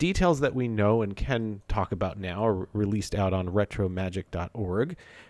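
With an unremarkable speaking voice, a man talks at a fairly low pitch with ordinary pitch variation on a very clean recording with a silent background. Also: hardly any pauses. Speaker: podcast host. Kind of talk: casual podcast chat.

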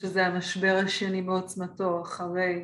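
Speaking at a very slow pace and medium pitch, a woman is heard with audible room echo. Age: 50s. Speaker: divorce coach. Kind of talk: interview.

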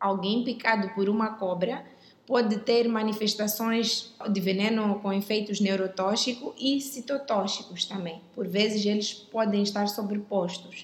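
Over noticeable background noise, a woman speaks at a fairly slow pace in a fairly high pitch. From Mozambique. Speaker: physician. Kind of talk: medical interview.

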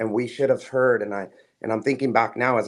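At a moderate pace, a man with an American accent and a normal speaking voice talks with fairly even intonation. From Texas. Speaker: urologist and pastor. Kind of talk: interview.

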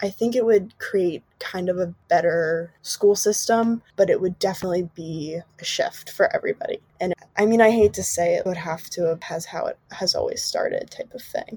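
Using a put-on character voice, a woman speaks at medium pitch and a moderate pace, raspy, with a dry, close sound and no echo. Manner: fearful, hesitant.

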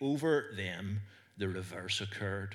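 At a moderate pace, a man talks in an unremarkable speaking voice with lively intonation. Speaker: pastor. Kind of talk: sermon. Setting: church.

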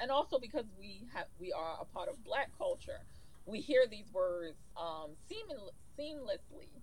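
At a fairly slow pace, a woman is talking. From Baltimore, Maryland. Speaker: author and travel blogger. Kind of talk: casual interview.

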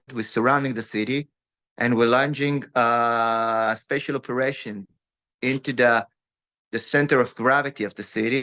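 With an Israeli accent, a man speaks at a moderate pace in a medium-pitched, bright, sharp tone and fairly even intonation, the sound dry and close with no echo on a very clean recording with a silent background. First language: Hebrew. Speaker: retired army general. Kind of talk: military briefing.

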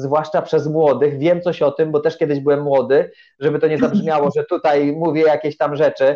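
Pitched fairly high, a man keeps a monotone, flat intonation and very even loudness at a moderate pace, with hardly any pauses. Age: 40s. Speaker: healthy-eating and lifestyle expert. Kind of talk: casual interview on a livestream.

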